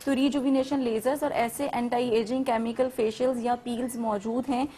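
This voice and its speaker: A woman guest explaining skincare tips on a talk show in a clear, explanatory way. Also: on the high side, steady tone, moderate pace, dark tone. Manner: explanatory, mixes English terms.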